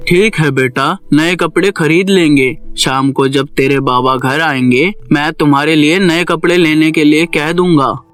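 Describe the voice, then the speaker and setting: A man's voice: on the high side, fairly even intonation, measured pace, few pauses, a bit bright, faint music behind. An actor playing a proud, caring old grandfather in a cartoon story, earnest and reproachful. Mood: kind. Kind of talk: Hindi cartoon moral story acting.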